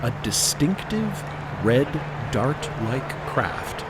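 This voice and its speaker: A man reading scripted dramatic narration in a measured, descriptive storytelling manner. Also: mid-range voice, big pitch swings, poor audio. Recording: loud music under the voice. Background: loud music bed.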